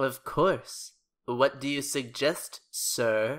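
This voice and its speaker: In a put-on character voice, a man speaks very slowly with a raspy, fairly high sound. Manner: deferential, inquisitive.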